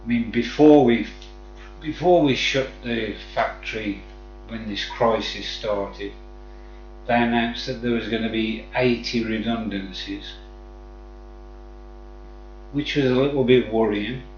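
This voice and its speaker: A man's voice: medium pitch, unhurried, pauses often. A man from the West Midlands with a Black Country accent, chatting casually and matily to viewers on a live stream. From West Midlands, England. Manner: friendly, matey address to viewers. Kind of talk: casual chat. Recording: dull sound, echoey room, faint music.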